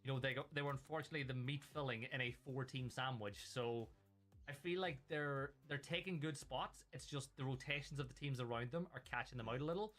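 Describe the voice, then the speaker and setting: An easygoing male analyst breaks down a team's games on a live broadcast, his voice at an ordinary middle pitch. He sounds reassuring about how the team plays. Faint music sits behind him. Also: brisk, fairly bright tone. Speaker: esports analyst.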